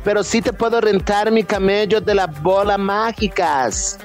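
A pompous, mock-formal Arab tutor put on by a man drawls every phrase in a high voice. Faint music sits under the talk. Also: fairly even intonation. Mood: mock-solemn. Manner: mock-formal, drawn-out comic delivery. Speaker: podcast co-host.

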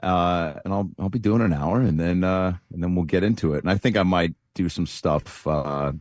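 A comedian with a deep, slightly mellow voice chats as a guest at a normal speed, telling rambling, self-deprecating stories packed with fillers. The recording is dry and clean, with studio-quality sound.

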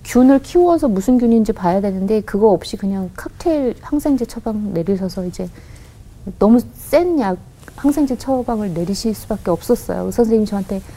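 Woman, radio interview guest, earnest, halting restarts, warm mellow tone. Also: medium pitch, low-quality recording. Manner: acts out quoted voices in her story. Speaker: guest, company head. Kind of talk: personal storytelling in a radio interview.

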